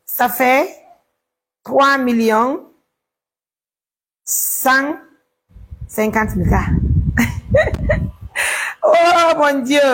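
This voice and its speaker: A slow-speaking woman with a husky, fairly high voice. She switches between soft pleading and lively, excited announcements of incoming money. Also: rough recording. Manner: coos and pleads softly, then announces donations excitedly. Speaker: journalist running a donation appeal. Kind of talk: live fundraising appeal while soothing a baby.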